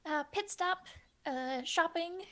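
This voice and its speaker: A woman's voice: very high-pitched, slow, fairly bright tone. A woman playing a character in a tabletop game, chatty and casual with frequent giggles. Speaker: player.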